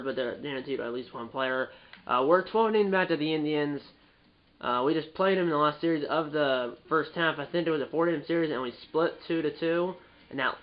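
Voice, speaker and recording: A man's voice: a little high, dull audio. A young man with a stuffed-up, nasal voice hosting a gaming video, rambling casually with frequent restarts and self-corrections. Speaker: gaming channel host. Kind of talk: casual gameplay commentary.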